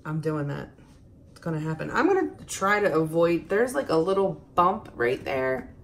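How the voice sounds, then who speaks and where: Deep, creaky and very animated, this Baltimore woman's voice moves at a moderate pace over slight background noise. She hosts an acrylic pouring demo, casually narrating with her Baltimore accent while musing hesitantly and poking fun at herself.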